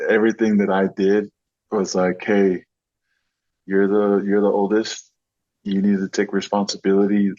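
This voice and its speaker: A man's voice: sits low, lo-fi sound. A man in his thirties, born in American Samoa and raised in Southern California, talking casually and easily as an interview guest. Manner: relaxed, easygoing, laughs often. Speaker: guest, content creator.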